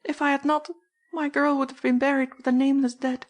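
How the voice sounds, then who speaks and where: A woman's voice: high voice, little pitch movement, fairly quick, voice pushed up, natural voice. A woman reading an audiobook, voicing a distraught, loyal housekeeper who pleads tearfully. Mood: wailing.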